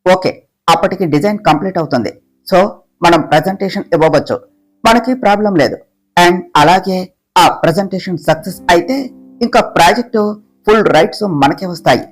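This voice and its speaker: A man's voice: high-pitched, a little fast. A woman voicing a stern, short-tempered young male boss who talks in curt, scolding lines. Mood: calm, businesslike.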